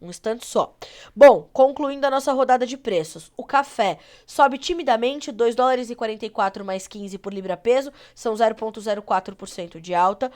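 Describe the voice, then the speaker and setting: Congested Brazilian woman anchoring news. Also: a little high. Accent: Brazilian Portuguese. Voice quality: nasal. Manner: brisk, reads prices in a steady run. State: congested from a cold. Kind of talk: live market news broadcast.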